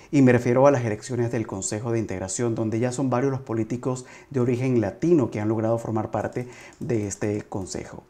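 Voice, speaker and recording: A male journalist presents a political talk program in a mellow, soft-edged voice. He speaks formally and straight to his viewers, as a host does. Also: medium pitch.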